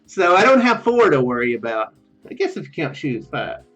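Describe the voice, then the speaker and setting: A man with a slightly high, very lively voice gives casual let's play commentary. He reads game text aloud in a halting, rambling way, doubling back to correct himself. The sound is muffled, with game music playing behind him. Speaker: let's play video host.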